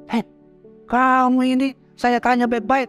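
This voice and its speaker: A put-on character voice, female-sounding and fairly high in pitch, moves at a fairly slow pace with faint music in the background. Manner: irritated, sharp.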